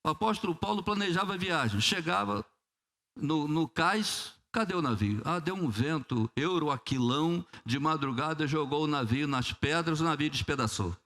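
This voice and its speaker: A man's voice: fairly high pitch, moderate pace, fairly bright tone. A man with a Brazilian Portuguese accent, a pastor preaching a sermon in church, telling a story and acting out prayers with humor. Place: church sanctuary.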